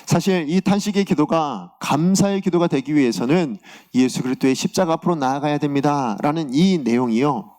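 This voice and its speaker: A man's voice: fairly high pitch, moderate pace, hardly any pauses. A male pastor giving a sermon, telling a personal story and acting out the words he heard in prayer. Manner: animated, acts out God's words in a raised voice; confessional storytelling about his own week.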